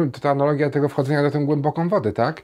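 The tone here is dark and mellow. It is a man speaking. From Poland. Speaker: life coach; host answering viewer questions. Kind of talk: Q&A answering viewer questions. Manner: hesitant, repetitive. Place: studio. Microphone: lapel.

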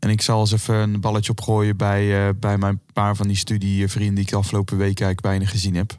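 Against a quiet background, a man with a fairly low pitch rushes along at a very fast pace with hardly any pauses, his loudness very even, his intonation monotone and flat, and the sound dry with no echo. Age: 20s. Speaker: podcast host. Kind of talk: interview. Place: meeting room. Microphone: studio mic.

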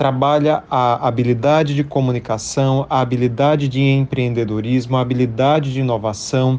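A man at medium pitch and a moderate pace, monotone and flat, with very even loudness and hardly any pauses. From Brazil, Paraíba. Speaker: professional association president, speech therapist. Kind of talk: radio interview.

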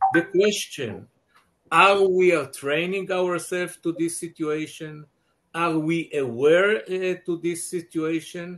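Against a quiet background, a man speaks at a very slow pace in a high pitch with fairly even intonation. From Israel. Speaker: panelist, former local government official; panelist. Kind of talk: panel discussion. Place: office. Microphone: video call.

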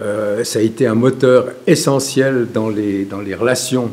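Pitch varies in an ordinary way while the words come at a very slow pace. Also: man. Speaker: economist and retired professor; retired professor. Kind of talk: interview. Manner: halting. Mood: relaxed, smiling, reflective. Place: classroom.

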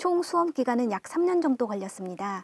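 A woman speaks at a fairly quick pace with lively intonation, the sound dry and close with no echo. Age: 50s. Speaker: homemaker, former bank employee, insurance adjuster exam passer. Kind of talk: interview testimonial.

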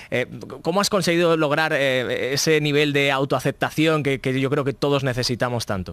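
In a dry sound with no echo, a man talks at a moderate pace with ordinary pitch variation. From Spain. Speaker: radio host. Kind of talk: interview. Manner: enthusiastic. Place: studio. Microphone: studio mic.

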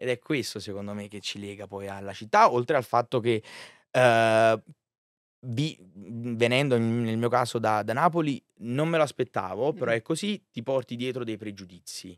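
Against a quiet background, the speech moves at a moderate pace with ordinary pitch variation and big swings in loudness, in a dry sound with no echo. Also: man. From Naples province, Campania, Italy; Campania, Italy. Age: 20s. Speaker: content creator. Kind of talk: interview. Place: studio. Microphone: studio mic.

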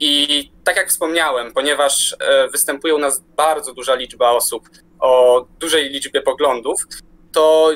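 A man at a fairly slow pace, his loudness very even. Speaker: remote interview guest. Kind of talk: interview answer. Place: home room.

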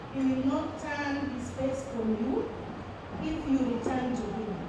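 Noticeable background noise and strong room echo fill the recording. The speech moves at a fairly slow pace. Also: woman. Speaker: preacher. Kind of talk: sermon. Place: church.

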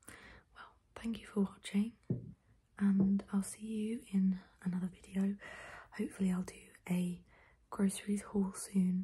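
A somewhat breathy, dark, mellow voice at a moderate pace, monotone and flat in intonation, over a quiet background. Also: woman. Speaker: vlogger. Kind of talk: casual vlog chat. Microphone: phone near.

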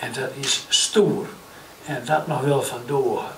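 Noticeable background noise sits behind a man with a Groningen accent and a fairly high pitch. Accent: Gronings dialect. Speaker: regional-language writer. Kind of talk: award acceptance speech. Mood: warm, humorous thanks. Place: hall.

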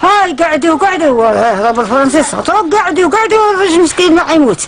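With an Algerian accent, the voice moves at a moderate pace through very wide pitch swings over light background noise. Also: woman. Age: 80s+. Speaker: elderly interviewee. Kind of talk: interview answer. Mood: animated storytelling, gesturing. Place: garden.

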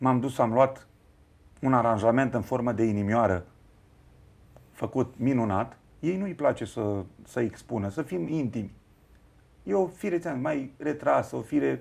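Speaking at a fairly slow pace with long, frequent pauses, a man uses lively intonation. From Romania, Ialomița county, rural village; Romania. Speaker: folk singer, theology graduate; interviewee. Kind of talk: interview. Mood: candid, reflective storytelling. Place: studio.

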